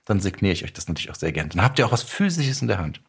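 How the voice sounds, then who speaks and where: A man's voice: sits low, very animated, rapid-fire, creaky, slightly rough. A man chatting casually and anecdotally as the guest author in an interview. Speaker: guest author of audio dramas and a novel. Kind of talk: casual podcast interview chat.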